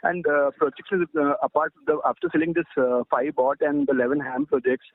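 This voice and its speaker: A man with an Indian accent asking questions as an investor on an earnings call, polite and halting, over a phone line. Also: fairly high pitch, level tone.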